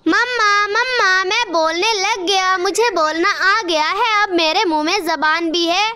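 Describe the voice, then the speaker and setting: A woman voicing a young male crow child who talks in an excited, childlike way. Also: very high voice, a little slow, heavily acted.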